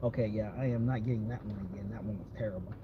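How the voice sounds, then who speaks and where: A man's voice: lowish voice, fairly even intonation, rapid-fire. An American man chatting casually and candidly, rambling with frequent swearing and repeating himself as he goes. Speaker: vlogger. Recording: dull lo-fi audio with background vehicle noise.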